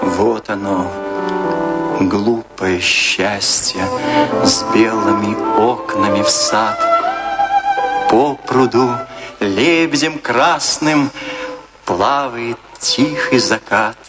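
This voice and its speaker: Radio drama: fervent romantic man, a poet, very slow declamatory verse, music clearly behind. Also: lowish voice. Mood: wistful. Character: lyrical lovesick male poet, romantic and fervent.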